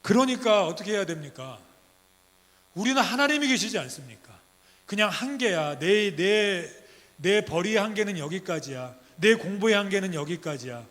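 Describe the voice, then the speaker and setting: A middle-aged man delivering a sermon from the pulpit, his voice high and sharply bright as he presses his point with question after question. The sound carries a long reverb from the church hall around him. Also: animated, moderate pace. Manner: emphatic, rhetorical questions, pleading. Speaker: pastor. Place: church sanctuary.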